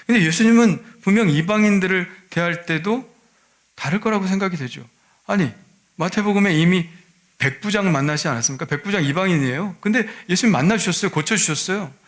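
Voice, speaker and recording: Male pastor, sermon delivery, fairly high voice, storytelling style with rhetorical asides. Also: fairly bright tone. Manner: storytelling, rhetorical questions to the congregation.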